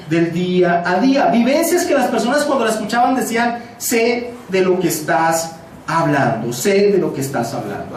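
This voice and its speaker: A man's voice: high voice, slight background noise. A man preaching an expository sermon as pastor, emphatic and repeating key phrases for stress. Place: church sanctuary. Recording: echoey church hall, mic from a distance.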